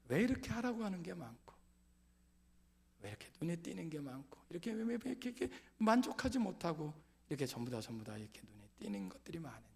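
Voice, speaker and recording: A middle-aged man preaching a sermon to his congregation, asking them questions and swinging from loud calls down to whispers. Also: fairly high pitch, vocal fry. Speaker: pastor. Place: church sanctuary.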